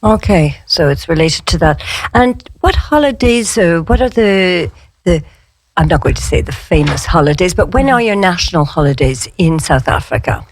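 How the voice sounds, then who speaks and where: A woman's voice: on the low side, expressive, normal speed. A woman hosting a conversational English-lesson radio show, chatty and inquisitive, asking questions in simple, reassuring phrases. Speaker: radio host and English teacher.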